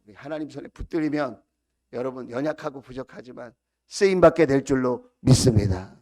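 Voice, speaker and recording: A middle-aged man preaching as senior pastor, building to loud repeated cries and dropping to soft, intimate storytelling. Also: medium pitch, fairly quick. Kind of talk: sermon.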